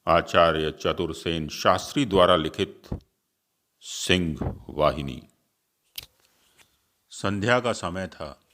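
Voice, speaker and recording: Deep, slow male storyteller. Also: fairly bright tone, a little hiss or hum. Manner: formal, literary delivery. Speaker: storyteller and channel host. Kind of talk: scripted story narration.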